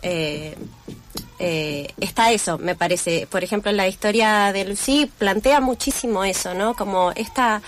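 A woman's voice: medium pitch, unhurried. A woman guest in a radio studio, talking in a thoughtful, hesitant way with many fillers. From Mexico-born, Chilean family. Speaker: theater cast member guest. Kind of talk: casual radio conversation.

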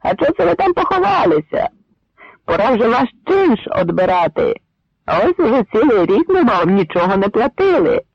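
A boisterous Cossack hurls mocking taunts in long, drawn-out shouts, voiced by a man. The voice climbs high and swings widely, with a gravelly edge. The recording is dull and dry. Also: sing-song, no room sound, exaggerated voice. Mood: jeering.

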